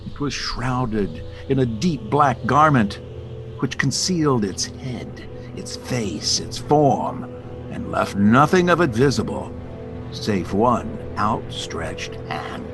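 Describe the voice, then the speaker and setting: A man's voice: medium pitch, sing-song, slow pace, music in the background. A man playing a solemn storyteller, narrating a ghost tale dramatically. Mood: ominous.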